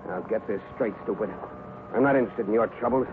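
An actor playing a mean, greedy moneylender who snarls contemptuous threats at a debtor, in 1950s radio drama style. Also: male voice, fairly low pitch, quick pace, close to an everyday voice. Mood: snarling. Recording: narrow, hissy 1950s radio broadcast.

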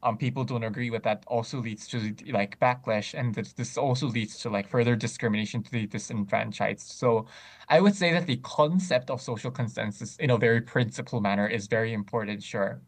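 A man in casual discussion, speaking thoughtfully with frequent pauses and restarts. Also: medium pitch. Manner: many fillers and restarts, thoughtful.

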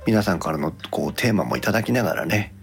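A man's voice: low-pitched, lively intonation, fast, faint music behind. A man co-hosting a podcast in casual conversation, encouraging and offering suggestions. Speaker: podcast co-host.

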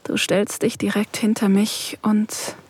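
A breathy, whispering young student. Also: female voice, mid-range voice, flat delivery, slow. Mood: intimate. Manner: soft, breathy, often whispered. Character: nervous, yearning young female student. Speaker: first-person narrator and student. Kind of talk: intimate first-person audio drama narration.

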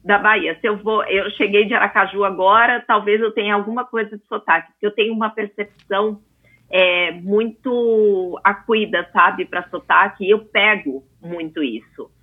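A Brazilian woman in her forties, a guest in an interview, chatting in a lively way with many asides. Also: mid-range voice, moderate pace. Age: 40s. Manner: chatty, animated storyteller with frequent asides. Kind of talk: casual interview talk. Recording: tinny phone-like line.

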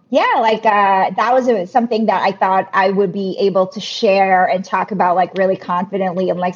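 A woman in her thirties from the Philippines talks casually as a guest, stacking up fillers and restarting her sentences. Her voice has a husky edge. The recording sounds muffled and lo-fi. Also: mid-range voice. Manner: chatty, many fillers and restarts. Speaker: podcast guest. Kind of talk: casual interview talk. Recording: muffled lo-fi audio.

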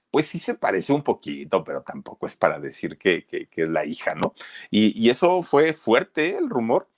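A low-voiced Mexican man tells a celebrity story, his pitch swinging widely as he chats. His casual, colloquial delivery is full of dramatic asides. The sound is close and dry, with no room around it. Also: no echo. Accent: Mexican Spanish. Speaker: gossip channel host.

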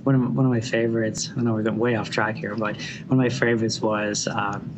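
A man's voice: on the low side, little pitch movement, a little fast. A middle-aged man with a Dublin accent who is an architect, talking in a reflective, rambling way with many fillers and restarts. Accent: Irish, Dublin. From Ireland. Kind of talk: casual interview. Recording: loud background noise.

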